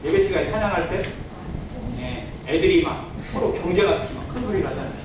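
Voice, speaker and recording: A male pastor preaches with a high, widely swinging voice. He explains earnestly and poses questions to his listeners. The sound is heavily reverberant, as if picked up from a distance in a church. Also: expressive, a little fast. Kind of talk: Sunday church sermon. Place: indoor church sanctuary. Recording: very echoey church hall, distant mic, faint noise.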